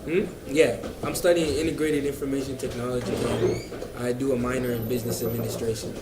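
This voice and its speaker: A man's voice: medium pitch, flat delivery, brisk, background noise. A young American man, a university student, answering interview questions casually, hesitant with lots of fillers and repeats. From United States. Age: young adult. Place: busy cafe. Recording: roomy cafe with crowd chatter.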